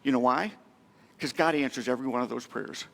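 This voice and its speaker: A middle-aged pastor preaches with feeling, mixing personal stories and pointed questions in a conversational way. His voice sits at an ordinary pitch for a man. The sound rings with the long reverb of a church hall. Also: fairly quick, creaky. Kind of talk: sermon. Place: church sanctuary.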